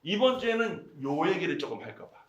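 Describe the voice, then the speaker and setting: A man's voice: fairly high pitch, sing-song, a little fast, fairly bright tone, muffled recording. A talkative man with a Gyeongsang accent, preaching a casual, conversational sermon and often checking in with his congregation. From Gyeongsang region, South Korea.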